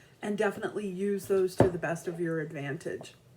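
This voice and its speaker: A woman's fairly low-pitched voice at a fairly slow pace, with noticeable background noise. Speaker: tarot reader. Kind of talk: casual talk to camera. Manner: relaxed, conversational, with hesitations.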